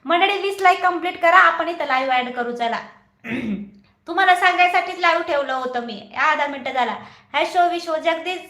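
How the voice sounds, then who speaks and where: High-voiced, bright, chatty woman livestreamer. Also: brisk, echoey room. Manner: chatty, teasing, laughs often. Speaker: livestream host. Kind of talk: casual live chat reading viewer comments.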